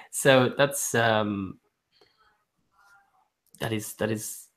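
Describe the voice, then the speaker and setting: A man's voice: fairly low pitch, huge pitch swings, drawn-out words, a bit bright. A man hosting a casual live-stream book chat who hesitates a lot, with frequent ums, restarts and laughs. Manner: laughs often while talking. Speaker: booktube host.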